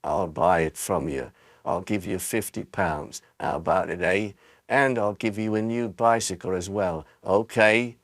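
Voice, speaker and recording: A shady storybook stranger, as a man plays him, dropped deep and hushed to a wheedling whisper. Close and dry. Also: measured pace, dry recording. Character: sly tall stranger, a man.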